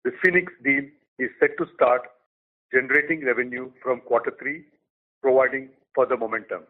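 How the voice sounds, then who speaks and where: Company CEO, medium-pitched man, reads quarterly results in a measured way over a phone-quality line. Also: steady tone. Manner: measured, reads figures in short phrases. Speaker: company chief executive. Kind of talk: prepared business update.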